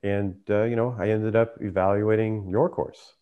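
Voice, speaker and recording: A man's voice: fairly low pitch, steady tone, normal speed, phone-quality sound. A man who hosts a trading channel, telling his story in a casual, conversational way. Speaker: trader and YouTube channel host.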